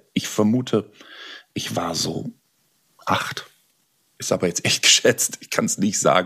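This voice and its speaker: Here a man speaks with fairly low pitch. His pace is moderate. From northern Germany, North Frisia. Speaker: actor and audiobook narrator. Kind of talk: casual chat.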